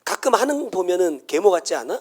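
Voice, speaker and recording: A middle-aged pastor with a Jeolla Korean accent preaches a sermon, his high, very animated voice moving at a quick pace as he drops to hushed whispers and rises to shouts.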